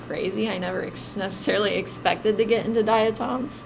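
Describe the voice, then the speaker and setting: A woman with an Indiana accent, fairly even intonation, audible room echo and noticeable background noise. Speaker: geology graduate student. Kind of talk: casual chat on live stream. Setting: live stream.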